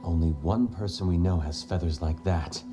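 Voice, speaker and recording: An actor voicing a serious, level-headed male chameleon ninja detective in a dry, terse, measured way. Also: sits low, music in the background, lightly acted.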